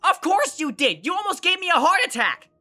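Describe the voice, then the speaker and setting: An actress playing a bewildered, exasperated kid, telling the story in dramatic first person in an audio drama. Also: female voice, very high voice, very animated, fairly quick, pushed and bright, soft background music, full character voice. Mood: exasperated, alarmed. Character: bewildered, exasperated young kid narrating an apocalypse ordeal.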